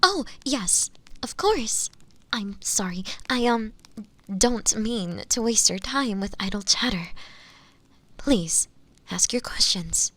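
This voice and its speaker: In a heavily acted fantasy roleplay, a woman voices a timid, pleading witch prisoner who pretends to be frail and innocent as she addresses the listener. She speaks slowly and formally in antiquated, deferential phrases, halting and often breathy to the point of whispering. Her highish voice is animated and fairly bright, the recording dry, and her mood apologetic and awed.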